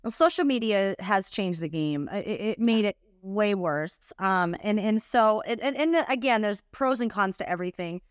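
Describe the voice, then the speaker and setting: A woman hosting a casual podcast chat, talking openly and confessionally, stumbling and restarting as she goes. Her voice sits at an ordinary middle pitch. The recording is close and dry, with no room sound. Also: normal speed, few pauses, clean tone, no room sound. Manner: candid, confessional, with many restarts. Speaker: podcast host.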